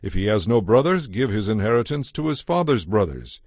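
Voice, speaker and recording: A man giving a measured, formal narration of scripture from a script. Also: on the low side, very animated, a little mellow, no echo, clean studio sound. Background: music.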